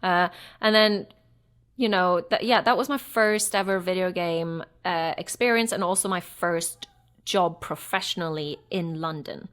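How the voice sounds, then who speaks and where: A woman's voice: lowish voice, measured pace, a bit bright. A woman in her thirties from Norway, an actress chatting as an interview guest, reflective and full of fillers and restarts. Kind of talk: casual interview chat.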